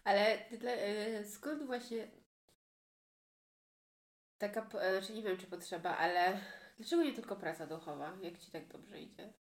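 A woman's voice: mid-range voice, moderate pace. A woman podcast host talking casually, often trailing off and restarting her thoughts. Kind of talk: casual conversational interview. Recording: roomy echo.

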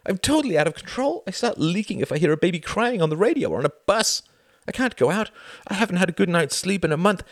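A man voicing a harried, sharp-tongued young mother in an audiobook, with a strained, complaining manner. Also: wildly swooping pitch, a little fast, gravelly, dry recording, studio quality, heavily acted. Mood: bitter, overwrought. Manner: strained, complaining, high-flung speech.

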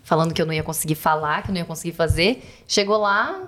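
A Brazilian woman with a Brazilian Portuguese accent, a podcast guest telling animated, profane stories and acting out quotes. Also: sits low, fast. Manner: animated, profane storyteller who acts out quotes. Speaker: podcast guest, bank teller. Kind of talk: casual podcast chat.

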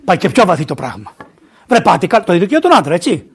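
Animated, husky-voiced priest preaching. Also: male voice, high voice. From Greece. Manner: animated, scolding asides and rhetorical questions. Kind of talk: sermon. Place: church.

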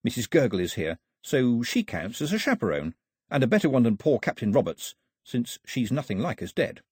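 A man's voice: mid-range voice, sing-song, moderate pace, a little mellow, breathy edge, no room sound, clean studio sound. A man voicing a prim, proper young girl who speaks in an earnest, slightly indignant way. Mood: musing.

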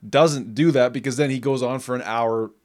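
Man in his early thirties, mid-pitched, chatting. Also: steady tone, normal speed, a little mellow. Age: early 30s. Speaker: podcast participant talking about film. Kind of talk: casual conversation about movies.

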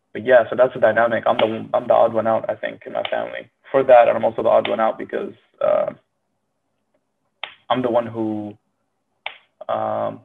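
A man's voice: on the low side, vocal fry, phone-quality sound, slight background noise. A young man in his early twenties from Syria, with a Syrian Arabic accent, rambling casually through a monologue with many fillers. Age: early 20s. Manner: rambling, filler-heavy, self-deprecating. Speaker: medical student vlogger.

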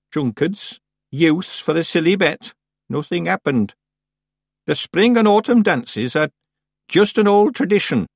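A stern old witch from a storybook, acted out by a man. Her high voice moves dramatically up and down as she questions and pronounces with imperious deliberation, recorded dry. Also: no echo, exaggerated voice. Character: nasty, solemn old woman witch, stern mentor.

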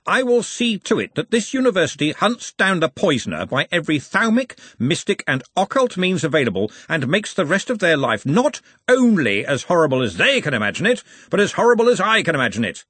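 A man's voice: a little high, big pitch swings, a little fast, few pauses, a bit bright, husky, no echo, pitched above the performer's own voice, heavily acted. A man voicing a commanding, grandiloquent head of a wizard university in an audiobook, speaking in pompous, emphatic sentences. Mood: vengeful resolve. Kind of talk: audiobook character voice.

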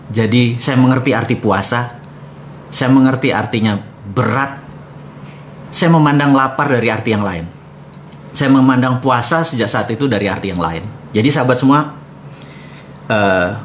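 A man's voice: medium pitch, slight background noise. A man hosting a live talk, telling stories in a conversational way and speaking directly to his audience. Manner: conversational storyteller addressing the audience; animated when reenacting dialogue. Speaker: host of a live economics talk. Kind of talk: live motivational talk with storytelling.

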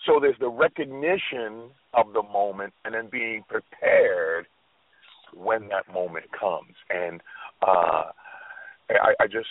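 An earnest man co-hosts a motivational radio talk show, telling stories and reflecting on them with frequent restarts. His voice sits low and is heard over a tinny phone line. The sound is dry, with no room around it. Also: slow pace, no echo.

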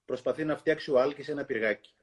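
A man hosting a talk, reading a children's book aloud in an expressive storytelling way and pausing to comment. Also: mid-range voice, slight background noise. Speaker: host.

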